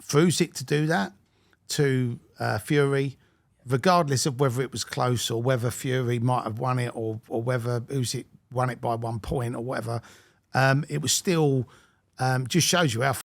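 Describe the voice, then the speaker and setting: A man with a medium-pitched, gravelly voice in a dry, close recording. He chats casually as a sports interviewer, often repeating words as he gets going. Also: steady tone, normal speed, dry recording.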